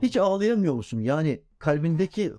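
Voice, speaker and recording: A man preaching a sermon in an animated way, asking rhetorical questions and joking with his listeners. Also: a little high, fairly quick, dry recording.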